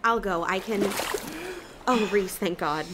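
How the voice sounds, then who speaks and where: A woman's voice: mid-range voice, measured pace, lightly acted. A woman playing an anxious, practical young island woman in an audio drama, speaking bluntly and with worry. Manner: blunt, worried. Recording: water and ambient noise behind.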